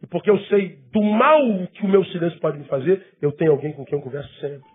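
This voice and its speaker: Man preaching, husky voice, fairly high pitch, muffled lo-fi church recording. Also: fairly quick, faint music behind. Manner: conversational preaching with rhetorical questions. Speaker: pastor. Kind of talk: sermon.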